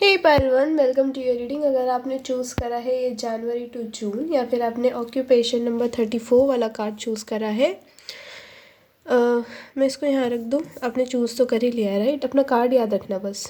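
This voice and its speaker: A woman at a high pitch and moderate pace, with noticeable background noise. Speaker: tarot reader. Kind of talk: tarot reading to camera. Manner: casual, code-switching Hindi-English.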